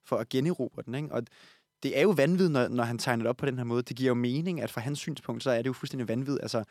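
A man's voice: mid-range voice, darkish tone, dry recording. Man, podcast host, casual book talk, enthusiastic, stumbles and repeats, dry sound. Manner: enthusiastic, many restarts and repeated words.

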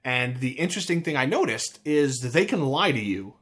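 Here a medium-pitched, sing-song male voice moves a little fast with a somewhat bright tone. He's an American co-host of a video game podcast, rambling casually with frequent restarts and filler words.

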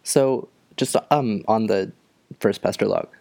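Halting young man. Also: lowish voice, vocal fry, dark tone, no room sound. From Ontario, Canada. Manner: hesitant, halting, many fillers. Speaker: podcast co-host. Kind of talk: casual chat.

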